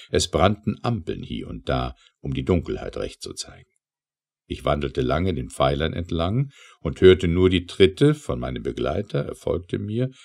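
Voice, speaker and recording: Male audiobook narrator for satirical verse: low, creaky voice, declamatory and theatrical delivery. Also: mellow. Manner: theatrical, declamatory, measured phrasing with pauses. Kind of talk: dramatic recitation of satirical verse.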